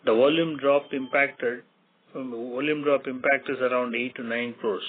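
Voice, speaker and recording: A man with an Indian accent formally reads out company results as an executive, in a measured, factual way, figure by figure. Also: mid-range voice, fairly even intonation. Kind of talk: formal scripted earnings presentation. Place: conference call over a phone line. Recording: tinny phone line with clear noise.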